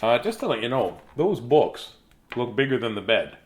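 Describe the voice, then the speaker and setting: A man's voice: medium pitch, very animated, moderate pace, a little hiss or hum. A man chatting casually and playfully while reading bedtime storybooks to children on a livestream.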